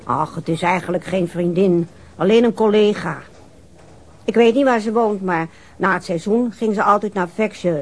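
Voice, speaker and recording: A chatty, helpful woman, a waitress played by a radio actress, with a medium-pitched voice. She speaks thoughtfully and cooperatively, as in a radio drama. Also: moderate pace, close to an everyday voice. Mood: musing. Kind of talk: Dutch radio drama acting.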